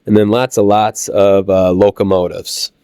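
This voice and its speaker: A man with a Midwestern American accent, casually narrating a walk through a model train show, halting with fillers while he gets over a cold. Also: lowish voice, clean tone, no echo, studio quality. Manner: relaxed, halting with many "uh" fillers. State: recovering from a cold. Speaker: channel host touring a train show.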